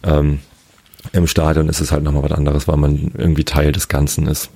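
A hoarse man chatting casually about a football match, full of fillers and restarts. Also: a bass voice, completely flat delivery, brisk, mellow, no echo. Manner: hesitant, many fillers and restarts. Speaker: football fan guest. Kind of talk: casual conversation.

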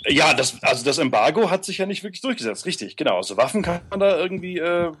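A man's voice: on the high side, sing-song, fast talker, a bit bright, slight background noise. Hesitant man full of fillers. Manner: hesitant, many fillers and restarts. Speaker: aid worker being interviewed. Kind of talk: casual interview.

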